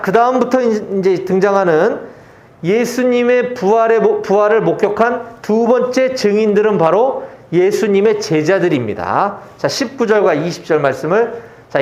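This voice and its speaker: A man preaches in a high voice, chatting with his listeners and putting questions to them as he explains scripture. The recording is muffled and lo-fi. It sounds like a roomy church at a military base. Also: expressive, normal speed, darkish tone. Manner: conversational, asks the audience questions. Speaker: pastor. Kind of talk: expository sermon. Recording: echoey room, dull lo-fi sound.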